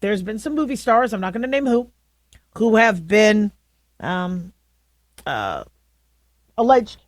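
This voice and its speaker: A middle-aged woman with a deep voice hosting a talk radio show, talking through her views in a conversational way with frequent restarts. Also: sing-song, dry recording. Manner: conversational, halting with many restarts. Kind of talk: opinionated talk radio monologue.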